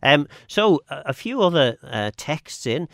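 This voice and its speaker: Manx bloke presenting a radio phone-in, stumbles into sentences a bit, really dry sound. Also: male voice, a little high, very animated, a little slow, gravelly, no room sound. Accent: Manx (Isle of Man). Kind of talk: live phone-in chat and reading out listener texts.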